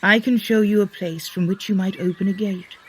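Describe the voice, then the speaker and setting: A woman playing a wise, grave, gracious goddess in a scripted audio drama, speaking in measured, solemn formal language. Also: mid-range voice, steady tone, breathy edge, close to an everyday voice, rough recording. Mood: composed.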